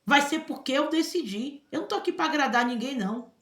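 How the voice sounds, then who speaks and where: A woman's voice: high voice, lively intonation, fast talker, fairly bright tone. Emphatic Brazilian woman in an echoey room. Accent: Brazilian Portuguese. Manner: emphatic, keeps addressing listeners with "gente" and "entendeu?". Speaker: vlogger. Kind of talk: emphatic personal commentary to camera.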